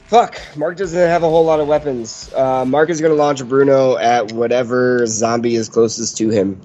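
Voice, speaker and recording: A man's voice: medium pitch, fairly even intonation, normal speed, warm tone. A man playing a tabletop role-playing game, bantering casually with a sweary, mock-exasperated manner. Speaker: player in a tabletop RPG. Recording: dull sound with music behind.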